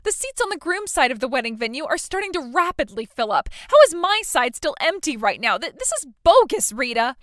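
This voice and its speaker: Woman as entitled bride, whiny and self-pitying, high, dry sound. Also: sing-song, brisk, few pauses, fairly bright tone, no echo. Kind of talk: scripted drama dialogue.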